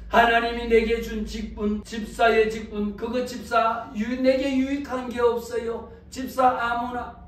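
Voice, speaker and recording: A male pastor delivering a dramatic sermon, telling the story with cries and wails in the characters' voices. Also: high voice. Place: church sanctuary. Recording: echoey church hall, far from the mic, faint noise.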